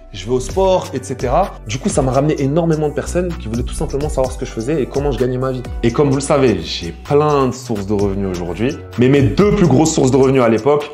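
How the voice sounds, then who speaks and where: A man's voice: mid-range voice, a little mellow. Boastful young man talking to camera. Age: 20s. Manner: boastful, self-assured, addresses viewers directly. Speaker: influencer and investor. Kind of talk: direct-to-camera vlog monologue.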